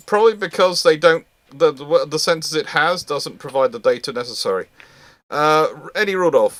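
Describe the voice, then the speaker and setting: A man's voice: a little high, a bit bright, dry recording. A man hosting a casual live question-and-answer talk, hesitant and often restarting his phrases. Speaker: host of a live naval history question-and-answer show.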